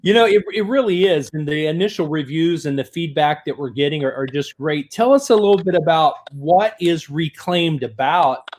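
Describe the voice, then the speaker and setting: A man's voice: a little high, moderate pace, hardly any pauses, darkish tone. A man hosting an author interview, reading an upbeat guest introduction and asking questions. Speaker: interview host.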